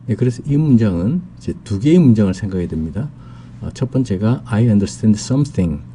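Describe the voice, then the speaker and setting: A man teaching an English lesson on video, explaining slowly and carefully with many fillers and reading English example sentences very slowly. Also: lowish voice, warm tone, a little hiss or hum.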